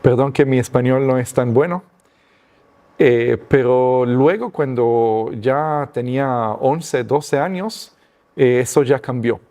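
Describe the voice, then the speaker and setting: A man's voice: medium pitch, takes it slowly, mellow. Guy, stumbles a lot in spanish, lots of "eh", voice right in the middle. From Israel. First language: Hebrew. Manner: hesitant, many fillers and restarts, searching for Spanish words. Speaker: guest giving testimony. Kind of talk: personal testimony interview.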